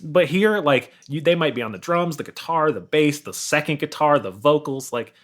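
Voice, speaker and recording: A man's voice: a little high, animated, moderate pace. An American man as a podcast guest, chatting casually with wry, anecdotal asides.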